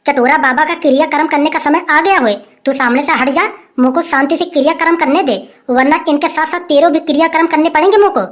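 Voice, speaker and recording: Casting: male actor as a shrill, bullying village chief who keeps repeating his threats. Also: fast talker, a bit bright. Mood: blustering. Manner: blustering, threatening, repeats phrases. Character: boastful greedy male village headman, blustering. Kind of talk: comic sketch acting.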